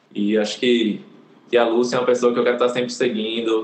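A man is speaking. His pitch is medium. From Recife, Pernambuco, Brazil. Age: 30s. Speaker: dancer and capoeira teacher. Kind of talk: casual chat.

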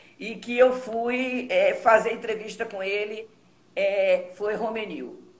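A woman's fairly high voice at a very slow pace, with fairly even intonation and big swings in loudness, over noticeable background noise and audible room echo. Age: 70s. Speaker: sports radio reporter. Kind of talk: casual interview chat. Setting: online live stream.

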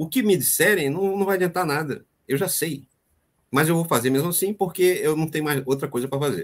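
With a Sergipe accent, a man talks at a fairly quick pace in a fairly high voice with ordinary pitch variation. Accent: lasting Aracaju (Sergipe). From Brazil, Sergipe (Aracaju) and abroad. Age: 50s. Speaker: engineer and author. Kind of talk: live interview. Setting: live online stream. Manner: halting, repeats words.

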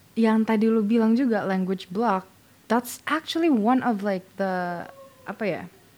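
An unremarkable speaking voice belongs to a woman with a fairly high pitch. She talks at a moderate pace with ordinary pitch variation. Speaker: podcast host, student. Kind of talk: casual chat.

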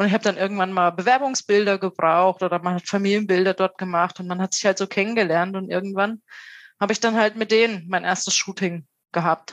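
A woman with a normal speaking voice talks at a fairly quick pace in a medium pitch with fairly even intonation, the sound dry and close with no echo. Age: 40s. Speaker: nude and bondage model. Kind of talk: casual interview. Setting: video call from home office.

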